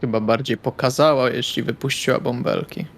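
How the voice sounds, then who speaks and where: A man's voice: mid-range voice, steady tone, a little fast, gravelly. A man playing a tabletop role-playing game, casually speaking in character and describing his actions. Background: music.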